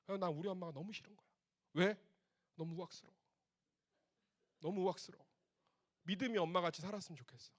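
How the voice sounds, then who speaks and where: A middle-aged male pastor with a slightly higher-than-average voice preaches to teenagers at a retreat. He tells stories with lively energy, talking to them casually and directly. His delivery jumps between loud bursts and quiet, hushed moments. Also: fast talker, long pauses. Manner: animated storytelling, swings between loud outbursts and soft hushed passages; addresses teens directly in casual speech. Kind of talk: youth retreat sermon.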